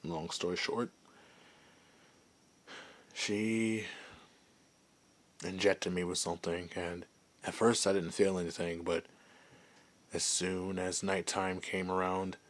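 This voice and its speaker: A man voicing a friendly, gentle werewolf and former adventurer in an intimate ASMR roleplay, chatting in a hesitant, softly amused way. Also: deep voice, flat delivery, slow pace, long pauses. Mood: hesitant, reflective.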